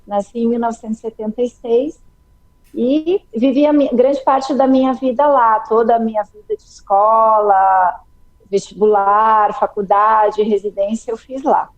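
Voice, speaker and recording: A Brazilian woman in her forties from Curitiba, a guest telling her story calmly in an interview. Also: fairly high pitch, measured pace, rough recording. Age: 40s. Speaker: guest, ophthalmologist. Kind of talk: interview conversation.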